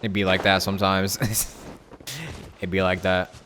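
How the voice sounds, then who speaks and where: A man's voice: low voice, completely flat delivery, a little slow, fairly bright tone, slight background noise. A man livestreaming a game with casual, slangy commentary, reacting off the cuff. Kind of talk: casual live commentary while gaming. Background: game music and sound.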